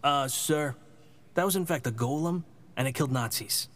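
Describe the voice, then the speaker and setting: An actor playing a wry, insolent police commissioner, dryly formal, in a 1940s-style radio drama. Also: male voice, fairly high pitch, moderate pace, a bit bright, lightly acted. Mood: dry, defensive.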